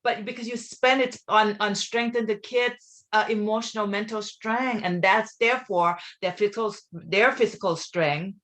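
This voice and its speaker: A woman at an ordinary, middle pitch hosts a relaxed interview. She talks with open enthusiasm and wonder, and leans on "you know" as she gathers her thoughts. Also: moderate pace, few pauses. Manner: frequent "you know" fillers. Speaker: interview host. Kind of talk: casual interview chat.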